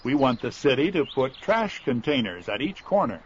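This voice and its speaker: A man's voice: mid-range voice, sing-song, normal speed. A man politely asking questions in a scripted lesson dialogue. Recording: dull lo-fi recording with faint noise.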